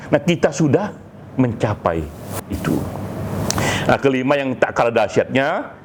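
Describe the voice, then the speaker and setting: Man, medium pitch, informal monologue, emphatic, deliberate pauses, faint noisy ambience. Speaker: speaker, leader of a poetry community. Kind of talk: informal monologue speech to a community.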